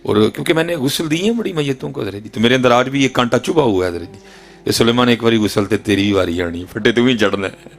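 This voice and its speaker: A man preaching a sermon in a Punjabi accent, telling stories and throwing rhetorical questions at his listeners. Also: mid-range voice. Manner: rhetorical, tells stories, keeps addressing the audience as hazrat ji. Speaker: Islamic preacher. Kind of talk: sermon with storytelling.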